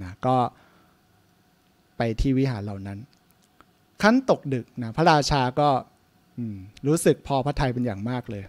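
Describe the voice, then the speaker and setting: A male Buddhist monk tells a story as part of a sermon, speaking gently and unhurriedly. He tags nearly every phrase with a soft particle, and his voice sits at an ordinary middle pitch.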